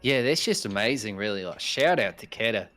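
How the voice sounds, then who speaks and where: A man's voice: on the low side, animated, brisk, fairly bright tone. Man in a put-on Australian accent. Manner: teasing, laid-back banter. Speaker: esports co-caster. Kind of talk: live game commentary. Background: faint music.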